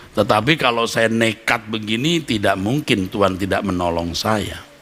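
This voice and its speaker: Noticeable background noise accompanies a man with a fairly low pitch and an animated tone. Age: 60s. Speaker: pastor. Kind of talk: sermon.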